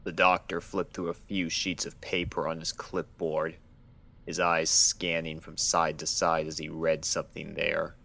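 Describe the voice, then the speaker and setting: A man's voice: a bass voice, monotone, unhurried, gravelly, pushed and bright. A man reading fan fiction aloud as a scripted story narrator.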